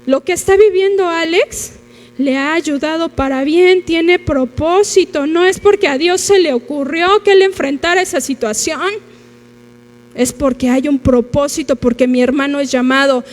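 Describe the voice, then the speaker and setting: A woman's voice: high-pitched, normal speed. A woman with a Mexican accent preaching a sermon to her congregation, emphatic and direct, calling out to the listeners. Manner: emphatic, addresses the congregation directly, acts out quoted prayers. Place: church.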